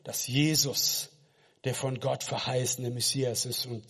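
A man's voice: mid-range voice, flat delivery, unhurried, a bit bright, slightly rough, big-room sound. A man from Kazakhstan, a missionary preacher, giving an earnest personal faith testimony and speaking directly to the listener.

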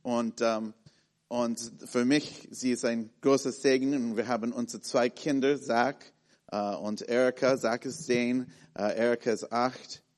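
A man in his thirties with an American accent, preaching in a halting way with many fillers and restarts as he searches for words. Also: mid-range voice, steady tone. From born in Malaysia, raised in the USA and the Philippines. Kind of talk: sermon with personal story.

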